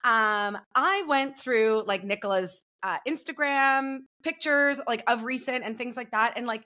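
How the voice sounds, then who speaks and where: A young woman speaking from a room at home over a video call, a guest on a pop culture podcast. Her voice is bright and sharp, and she talks in a chatty, gossipy way. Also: fairly high pitch, measured pace. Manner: chatty, gossipy, laughs easily. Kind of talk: casual pop culture chat. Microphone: video call with earbuds.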